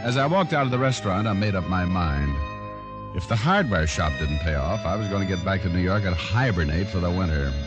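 An actor playing a sarcastic private detective who also narrates, in a 1940s-style radio drama over music. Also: male voice, sits low, animated, fairly quick. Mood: narrating. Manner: wry, sarcastic. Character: wisecracking male private eye narrator. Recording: music underneath.

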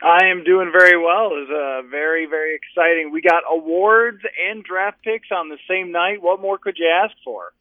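A male guest speaks over a tinny phone line with a dry, close sound. His voice sits a little higher than most men's. He talks in a dry, sarcastic way and rambles, restarting his sentences as he goes. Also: moderate pace, hardly any pauses, dry recording. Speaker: sports writer and analyst, guest. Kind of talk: casual interview chat.

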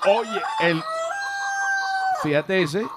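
A man hosting a podcast, telling anecdotes in a casual, animated way. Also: high-pitched, drawn-out words, very noisy. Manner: animated storyteller, mimics animal cries. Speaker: podcast host.

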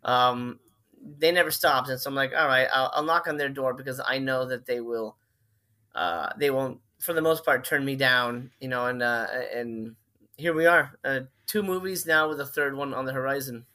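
A filmmaker in his forties from Miami, Florida, tells stories as a guest in a casual, rambling interview, often correcting himself. His medium-pitched voice is bright and forceful, delivered at normal speed.

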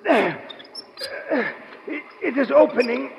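An actor playing an anxious, earnest foreign ally in a 1950s radio drama, with formal, excitable phrasing. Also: male voice, very high-pitched, slow, gravelly, full character voice. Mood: alarmed. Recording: muffled, noisy vintage radio recording.

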